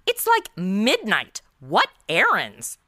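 An actress playing a sassy, flippant modern twenty-something in a comedic noir audio drama, slangy and snarky. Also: female voice, mid-range voice, huge pitch swings, slow pace, pushed and bright, no echo, clean studio sound, heavily acted.

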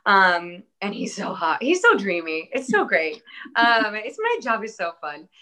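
Woman, early 30s, Spanish first language, bright voice, upbeat, earnest, casual interview guest. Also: mid-range voice, big pitch swings, measured pace. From born in Atlanta, Georgia, US. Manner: upbeat, earnest, lots of "um" and "I think". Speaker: actress, guest.

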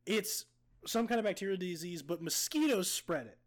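Lively high-voiced young man hosting. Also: moderate pace, a crowd in the background. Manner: goofy, joking, animated game-show announcing. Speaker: podcast co-host running a quiz game. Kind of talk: casual chat.

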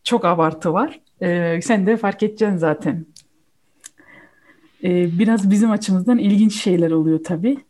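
Mellow woman chatting casually. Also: lowish voice, normal speed. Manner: switches between Turkish and German mid-sentence. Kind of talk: casual chat, explaining a film.

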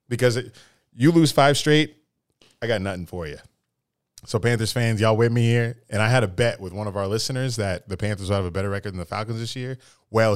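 Lowish-voiced guy ranting football on a podcast, dry close mic, gets loud and slangy. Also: no room sound. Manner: animated, crude slang, talks to players as if present. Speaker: podcast co-host. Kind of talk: casual sports chat.

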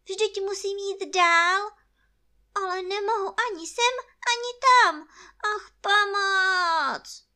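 A woman voicing a naive, greedy bear cub with a high, squeaky, plaintive voice in a storybook reading. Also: lively intonation, sharp tone. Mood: distressed.

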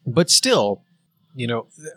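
A Canadian man talks loosely in casual podcast chat, his voice slightly husky. He backtracks and fills gaps with "you know" as he goes. The recording is dry and close. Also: medium pitch, big pitch swings, slow pace, bright, forceful tone, no room sound. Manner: rambling, many fillers and restarts. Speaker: podcast co-host.

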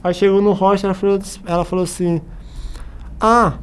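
A Brazilian man chatting casually as a podcast guest, telling anecdotes in an animated way and acting out the dialogue. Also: high voice, normal speed, a little hiss or hum. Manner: animated retelling with acted-out dialogue.

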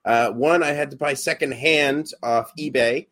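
Young guy cohosting a podcast, mid pitch, keeps going uh and um while he thinks. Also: unhurried, a bit bright. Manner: hesitant, lots of uh and um, restarts. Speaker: podcast co-host and actor. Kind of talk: casual podcast chat.

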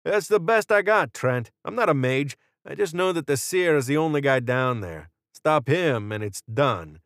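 Man voicing a cocky gunman, pitched up and glib. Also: lively intonation, moderate pace, fairly bright tone, dry recording, clean studio sound. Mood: casual, wary. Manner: glib, casual, slangy, sarcastic. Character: cocky, flippant male cult gunman cutting a deal. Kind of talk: audiobook character dialogue.

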